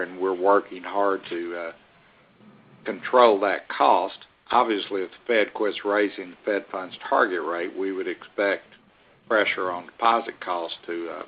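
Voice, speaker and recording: Deep male voice, corporate executive, measured unscripted answers, hesitant phrasing, muffled conference call audio. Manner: halting, measured, hedging answers. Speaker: company executive answering analyst questions. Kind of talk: unscripted earnings call commentary.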